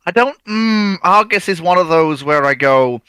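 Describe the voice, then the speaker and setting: Bright, very clear-voiced man. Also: sits high, lively intonation, unhurried, dry recording. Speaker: panellist on a history livestream. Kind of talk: casual discussion.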